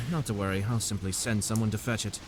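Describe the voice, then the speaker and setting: An actor playing a calm, genteel lord in a fantasy game, speaking in a composed, leisurely and polite way. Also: male voice, on the low side, a little fast, heavy background noise, close to an everyday voice. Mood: unruffled.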